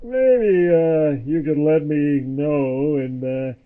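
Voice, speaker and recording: An actor playing a big, sweet, naive man who talks haltingly and bashfully in a comedy audio drama. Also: a little high, smooth. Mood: hopeful, shy. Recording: tinny muffled voice, as through wall.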